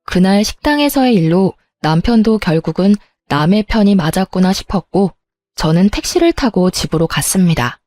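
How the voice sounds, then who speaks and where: Woman, scripted first-person story narration, plaintive, mellow dark voice, dry close sound. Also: medium pitch, animated, moderate pace, dry recording.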